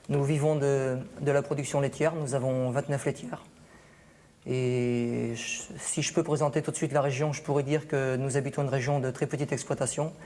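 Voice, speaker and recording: A man's dark, mellow, somewhat breathy voice at a fairly high pitch, with monotone, flat intonation and a moderate pace. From Normandy, Orne bocage. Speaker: dairy farmer. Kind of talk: TV talk show debate.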